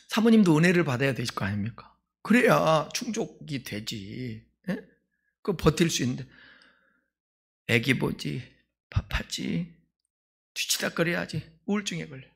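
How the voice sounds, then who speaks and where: A male pastor preaching a sermon in a conversational way, asking the congregation questions and swinging between loud emphasis and quiet asides. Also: fairly high pitch, expressive, a little slow, vocal fry, pauses often, slightly rough.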